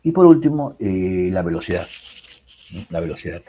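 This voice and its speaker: A man's voice: sits low, sing-song, normal speed, husky, lo-fi sound. A man teaching a writing class, explaining public speaking with many rhetorical questions and fillers. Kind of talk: recorded class lecture.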